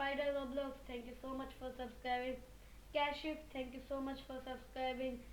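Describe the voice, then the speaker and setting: The recording has noticeable background noise and audible room echo. The voice moves at a moderate pace with monotone, flat intonation. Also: woman. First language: not English. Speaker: youtuber. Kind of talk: casual vlog, reading subscriber names. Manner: repetitive listing.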